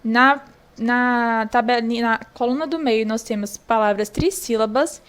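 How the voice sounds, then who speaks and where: A woman's voice: fairly high pitch, steady tone, a little slow, clear, resonant tone. A young woman with a Brazilian Portuguese accent, teaching an online lesson and patiently going through a worksheet, repeating key points for children.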